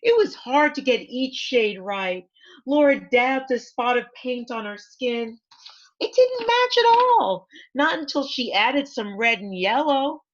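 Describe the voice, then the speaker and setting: A woman reads a children's picture book in a high voice, taking her time over each phrase. She is expressive and pauses to point things out to her listeners. The audio is dull and lo-fi, like an online stream. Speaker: author reading her picture book aloud. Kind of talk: storytime read-aloud for children with asides. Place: online library event.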